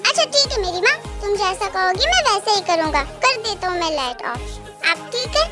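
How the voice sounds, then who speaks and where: A cheeky young lover who teases and coaxes in a fan-dubbed romance drama, as a woman puts him on. He sounds very high and light for a man, with music playing underneath. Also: big pitch swings, fairly quick. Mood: teasing. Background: background music.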